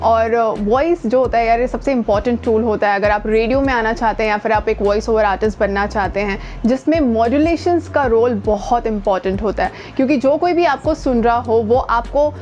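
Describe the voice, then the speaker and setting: A woman's voice: on the high side, brisk, hardly any pauses, darkish tone, slight background noise. An Indian woman giving an informal lesson as a voice coach, speaking conversationally and emphatically, with English words mixed in. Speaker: voice coach and video host. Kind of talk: informal instructional talk to camera. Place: outdoors near the speaker's home.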